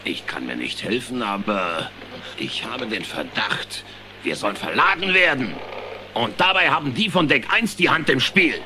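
An actor playing a suspicious, indignant animal passenger in an animated film radio play, grumbling as he talks. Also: medium pitch, normal speed, a little hiss or hum.

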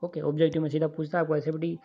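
A man's voice: a little high, completely flat delivery, very fast, slightly rough, dull audio. A man teaching engineering in an online lecture over handwritten notes, drilling formulas and checking in often with his students. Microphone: voice-over on screen recording.

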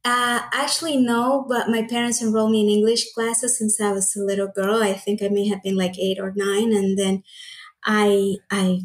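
A woman from Honduras, a native Spanish speaker, talking in an interview in a soft-spoken, slightly nervous way. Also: medium pitch, level tone, normal speed. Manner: soft-spoken, a little nervous, laughs lightly. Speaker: interview guest. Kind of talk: casual interview.

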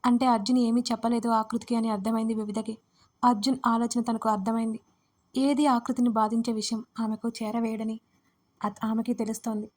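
A woman narrating an emotional romance audio story in a steady, gentle storytelling manner. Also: a little high, fairly quick.

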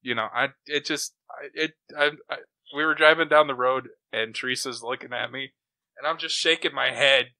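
A man co-hosting a podcast, chatting casually in an animated, opinionated way. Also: medium pitch, moderate pace, no echo. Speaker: podcast co-host. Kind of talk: casual chat about comic books and old radio shows.

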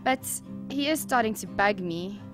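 A woman's voice: medium pitch, lively intonation, unhurried, lightly acted. A woman playing a troubled, hesitant young boy in an audio drama, with guitar music behind. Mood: anxious, reluctant.

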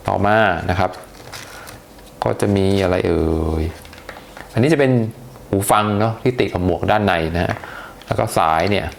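A man's voice: deep voice, creaky, a little hiss or hum. A man giving a casual, chatty unboxing review, talking with hesitations and many polite particles. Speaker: tech reviewer.

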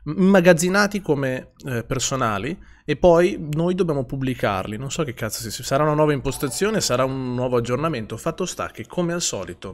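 A young man streaming a horror game live, chatting casually with his viewers, swearing often and rattling off their names. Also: a little high. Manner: lively, swears casually, reads chat names quickly.

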